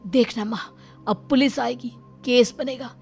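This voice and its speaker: A woman's voice: a little high, steady tone, unhurried, vocal fry, darkish tone, soft background music. A woman voicing a worried young husband who urgently accuses his mother.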